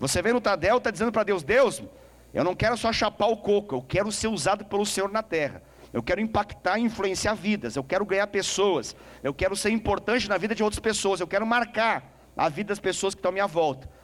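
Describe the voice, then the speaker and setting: Here a man talks at a fairly quick pace in a high voice. His pitch varies in an ordinary way, and his loudness stays very even. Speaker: pastor. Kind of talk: sermon. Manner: fast.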